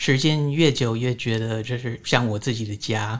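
A man with an English accent, medium in pitch, at a fairly slow pace. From United States. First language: English (speaking Chinese). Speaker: philosophy professor. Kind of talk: interview.

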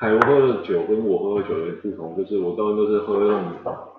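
A man's voice shows ordinary pitch variation and carries audible room echo. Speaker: podcast co-host. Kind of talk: casual chat.

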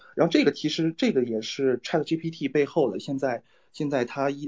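Medium in pitch, a man delivers an ordinary speaking voice at a fairly quick pace. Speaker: software engineer, community founder. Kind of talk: panel discussion. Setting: online audio space.

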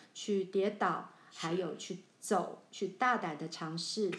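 In a Taiwanese accent, a woman speaks at a medium pitch with ordinary pitch variation, and there is audible room echo. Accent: Taiwanese Mandarin. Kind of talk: casual chat; prayer.

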